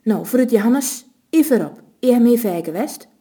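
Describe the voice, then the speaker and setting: A woman with a Low voicing a bossy male gang leader who gives curt orders. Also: expressive, a little slow, warm tone. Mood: commanding.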